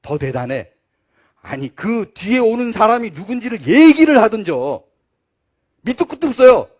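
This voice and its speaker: A man's voice: extremely high pitch, sing-song, moderate pace. A male pastor preaching a sermon, acting out the dialogue of the story as he tells it.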